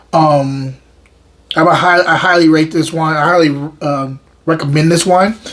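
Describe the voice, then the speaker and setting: Noticeable background noise surrounds a man speaking at a moderate pace. His pitch is fairly high and his intonation fairly even. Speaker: wine reviewer. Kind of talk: wine tasting review. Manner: whispering at times; casual, hesitant with fillers.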